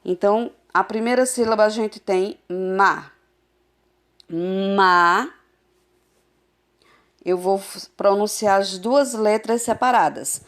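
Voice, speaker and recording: A woman teacher giving a recorded adult literacy lesson over a phone, sounding out syllables slowly and patiently. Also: medium pitch. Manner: slow, patient, drawn-out syllables.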